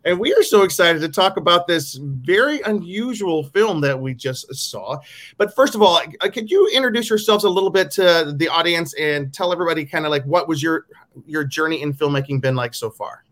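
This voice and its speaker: A male podcast host with a bright, forceful voice that sits a little high for a man. He talks eagerly and chattily, tripping over a word now and then as he leads the interview. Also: lively intonation, a little fast.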